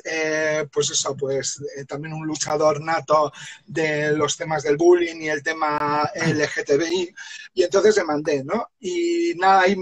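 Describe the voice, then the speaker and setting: A man's voice: a little high, poor audio. A man, hosting a live stream in casual chat, rambling with many fillers and restarts.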